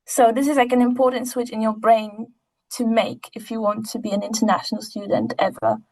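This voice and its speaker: High-voiced young woman chatting. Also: expressive, brisk, darkish tone, poor audio. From Poland. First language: Polish. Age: young adult. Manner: chatty, informal, frequent asides. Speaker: interview guest, biochemistry student. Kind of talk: casual conversational interview answers.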